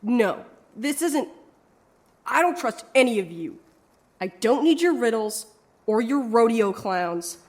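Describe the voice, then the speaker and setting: Actress as a wary, slow-spoken stubborn heroine. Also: female voice, on the high side, animated. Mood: defiant. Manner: guarded, earnest, resolute. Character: stubborn, wary young woman courier, defiant. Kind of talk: audio drama acting.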